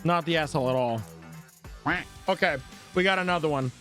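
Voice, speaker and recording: A man's voice: fairly high pitch, brisk, a bit bright, soft background music. A man streaming, reading forum posts aloud and breaking off to react, swear and laugh.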